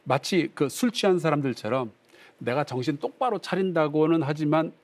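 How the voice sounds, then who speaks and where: A male pastor teaching a Bible class on broadcast, reading scripture aloud and explaining it in a lively, conversational way. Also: a little high, normal speed. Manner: reads scripture aloud, acts out drunk voices playfully.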